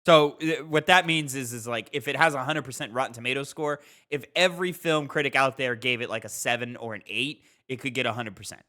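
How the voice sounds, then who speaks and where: A man's voice: mid-range voice, brisk, hardly any pauses, sharp tone. A man bantering casually as a co-host on a podcast, talking informally with friends. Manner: sweary.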